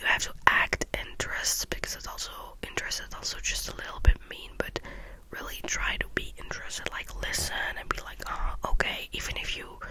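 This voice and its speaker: A woman whispers over noticeable background noise. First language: not English. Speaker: ASMR youtuber. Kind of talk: whispered ASMR ramble. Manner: whispering; rambling with fillers.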